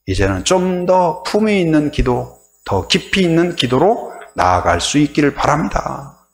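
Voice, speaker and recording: A man's voice: a little high, normal speed, soft background music. A male pastor giving a sermon, telling stories vividly and asking his congregation questions. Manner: lively storytelling, asks the congregation questions. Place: church sanctuary.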